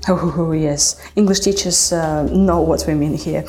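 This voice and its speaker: A woman's voice: sits low, steady tone, a little slow, darkish tone. A woman from Russia whose first language is Russian, co-hosting a podcast and explaining English vocabulary in a teacherly, questioning way. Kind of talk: language-lesson podcast chat.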